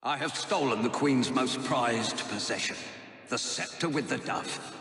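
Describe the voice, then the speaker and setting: An actor playing a boastful master thief in a video game cutscene, speaking in a theatrical, self-satisfied way. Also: male voice, mid-range voice, a little slow, pushed and bright. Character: boastful male master thief, gloating villain. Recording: reverberant hall with game music.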